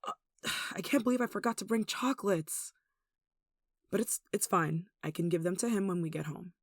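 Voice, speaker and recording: A woman's voice: mid-range voice, normal speed, dry recording, studio quality, close to an everyday voice. A woman playing a tall, possessive, lovesick kidnapper in an intimate ASMR roleplay, cooing and coaxing with sweet menace, sighs and giggles. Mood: anxious, scheming.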